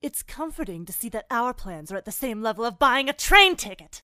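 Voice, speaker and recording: A woman's voice: on the high side, very animated, fairly quick, bright, forceful tone, no echo, studio quality. A woman voicing a stern, commanding older schoolgirl with formal severity, in an anime fan dub. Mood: cold fury. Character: stern, imperious older schoolgirl passing sentence.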